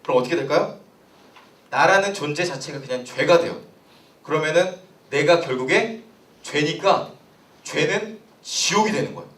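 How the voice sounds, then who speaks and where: A young man, a pastor, giving a sermon to a youth congregation in a lively storytelling way and putting questions to the listeners. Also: on the high side, moderate pace, pauses often. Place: church hall. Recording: roomy hall, voice from a distance.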